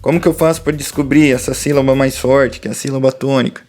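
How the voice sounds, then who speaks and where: A man's voice: medium pitch, steady tone, quick pace, a little mellow, faint music behind. A young adult Brazilian man teaching a remote lesson, explaining a worksheet to pupils in a casual, direct way. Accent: Brazilian Portuguese.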